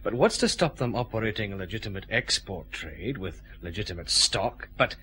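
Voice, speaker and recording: A sharp detective, plain talking, voice moves up and down a lot. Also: male voice, lowish voice, expressive, normal speed, a little hiss or hum. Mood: explaining. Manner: plain-spoken, respectful to superiors. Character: shrewd male detective chief inspector. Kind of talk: radio drama acting.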